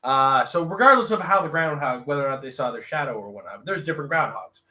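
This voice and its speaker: Easygoing man, fairly high voice. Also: expressive, fast talker, pushed and bright. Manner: easygoing storyteller. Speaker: podcast co-host. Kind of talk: casual chat.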